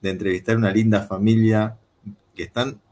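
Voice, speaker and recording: A man hosting a video call interview, talking in an unhurried, conversational way with frequent filler pauses. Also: on the low side, flat delivery, warm tone. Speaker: interview show host.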